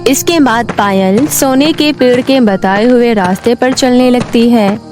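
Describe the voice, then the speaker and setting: A woman's voice: fairly high pitch, measured pace, music in the background. A woman reading scripted narration for a children's moral story, as the storyteller.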